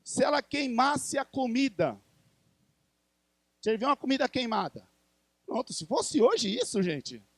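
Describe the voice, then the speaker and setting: A man's voice: very high-pitched, big pitch swings, measured pace, long pauses, a bit bright, no echo. A male pastor with a Brazilian Portuguese accent, preaching a conversational sermon in church and putting questions to the congregation.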